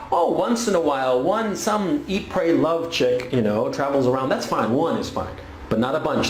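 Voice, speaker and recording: A man's voice: a little high, roomy sound, slight background noise, poor audio. A man from Chile delivering a blunt, sarcastic opinion monologue with coarse language. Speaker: political commentator.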